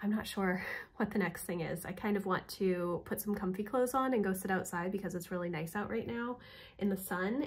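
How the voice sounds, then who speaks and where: Over a quiet background, a woman speaks fairly quickly in a somewhat breathy voice with fairly even intonation. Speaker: homeschooling parent vlogger. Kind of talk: casual vlog chat. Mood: relaxed and cheerful. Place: home room. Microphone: phone near.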